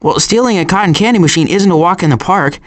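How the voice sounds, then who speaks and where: An actor voicing a cautious, worrying turtle in an animated video game, with a dry, hesitant and wry delivery. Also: male voice, high-pitched, fast talker, lightly acted. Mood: anxious, hesitant. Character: cautious, worrying male cartoon turtle, dryly sarcastic.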